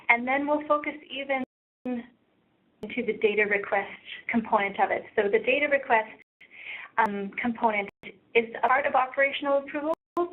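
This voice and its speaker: A soft-spoken woman gives a work presentation, her voice a touch high and pausing often on ums. The sound is thin and phone-like, like a webinar recording from a meeting room. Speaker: research practice lead presenting. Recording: tinny phone-like webinar audio.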